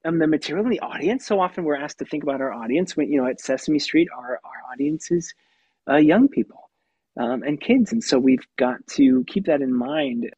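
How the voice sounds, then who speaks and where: A puppeteer and voice actor talking through his craft in an interview, with a light, youthful tenor voice and an animated manner that breaks into laughs. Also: a little high, fairly quick, husky, dry recording, dull audio. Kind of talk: conversational interview answers.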